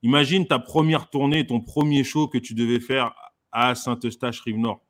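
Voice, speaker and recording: A man's voice: mid-range voice, steady tone, normal speed, fairly bright tone. A man, a comedian guest, talking casually with frequent fillers and restarts. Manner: hesitant, many fillers and restarts, laughs often. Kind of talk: casual conversation.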